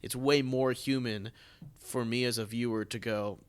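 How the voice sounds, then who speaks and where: A man's voice: medium pitch, steady tone, moderate pace, a little hiss or hum. A man hosting a casual theatre podcast, talking conversationally and often restarting his phrases. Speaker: podcast host, theatre producer.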